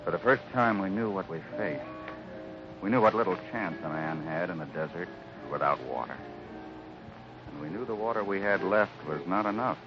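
An actor playing a grave, kindly Western ranch boss, speaking slowly and solemnly in 1950s radio drama style. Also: male voice, low voice, animated, music in the background. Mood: grim, solemn. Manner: slow, deliberate, solemn. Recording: muffled, noisy old radio recording.

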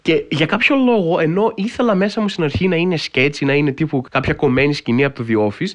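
A man hosting a podcast, talking casually and at length in an animated storytelling way, with wry, incredulous humor and lots of filler phrases. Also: on the high side. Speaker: podcast host.

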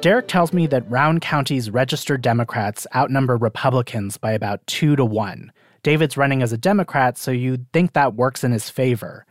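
A man's voice: medium pitch, moderate pace, dry recording, studio quality, soft background music. Conversational male podcast reporter. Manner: conversational, lightly self-deprecating. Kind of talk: narrated documentary storytelling.

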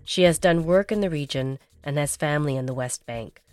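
A woman radio host reading a scripted introduction and then interviewing guests in a calm, gentle, carefully paced way. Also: low voice, a little fast, dry recording, faint music behind.

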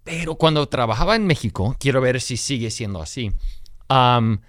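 A man's voice: medium pitch, expressive, moderate pace, a bit bright, no echo, studio quality. A middle-aged man co-hosting a casual advice podcast, asking questions hesitantly with many fillers and restarts. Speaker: podcast co-host.

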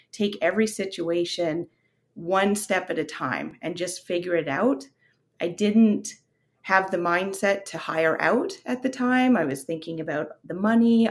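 A woman from Canada in her thirties, a guest on an interview, telling her career story in a casual, open way with fillers. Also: lowish voice. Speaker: guest, real estate investor.

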